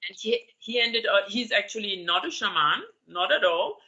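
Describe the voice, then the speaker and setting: A woman's voice: medium pitch, normal speed, bright, forceful tone, lo-fi sound. A woman in her sixties from Colombia, explaining things in an interview over a video call and searching for words with many fillers. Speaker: interview guest. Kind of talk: conversational interview.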